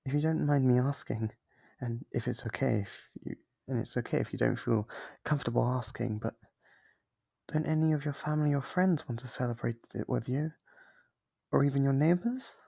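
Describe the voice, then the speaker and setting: A man voicing a lonely, clingy sealed demon who is sweetly manipulative, in an ASMR roleplay with soft-spoken, wheedling talk. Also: medium pitch, normal speed, vocal fry, no room sound. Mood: tender.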